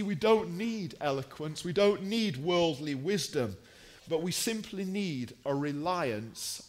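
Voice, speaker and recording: A man preaching a sermon in a deliberate, emphatic way, pausing between phrases and posing rhetorical questions. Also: on the high side.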